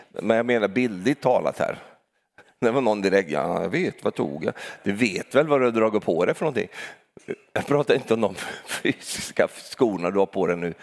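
Guy preaching, keeps asking the crowd questions, lively sermon. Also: fairly low pitch, gravelly. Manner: lively, talks straight to the congregation with rhetorical questions and tag "va?".

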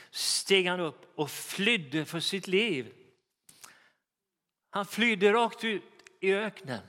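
A man preaching a sermon in a fervent manner, rising to loud exclamations. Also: high-pitched. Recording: reverberant hall.

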